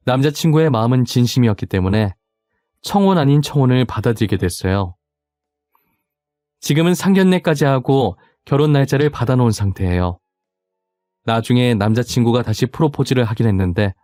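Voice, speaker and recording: Guy reading a story calmly, dry close sound, faint music. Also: mid-range voice, dry recording. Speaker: story narrator. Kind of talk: scripted narration of a first-person story.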